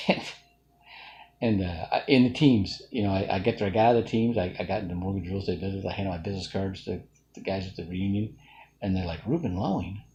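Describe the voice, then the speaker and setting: A man's voice: deep voice, steady tone, fairly quick, a little mellow, lo-fi sound. A middle-aged man from Alabama, talking through a casual, rambling self-reflective monologue full of fillers and restarts. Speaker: vlogger.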